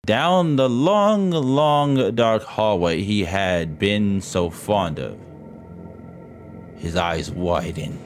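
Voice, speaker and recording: A man's voice: lowish voice, lively intonation, drawn-out words. A man reading a ghost story aloud from a visual novel as a streamer, dramatic but breaking into casual, profane asides and stumbling over the text. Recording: loud music behind voice. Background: game music.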